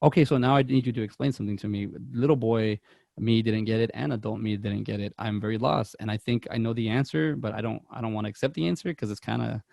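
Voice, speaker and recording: A man's voice: lowish voice, fast talker, creaky, a little mellow, dry recording. A man co-hosting a movie podcast, chatting casually with lots of restarts and laughter. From Mexican heritage. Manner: rambling, laughing, stumbling restarts. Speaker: podcast co-host. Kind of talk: casual chat about movies.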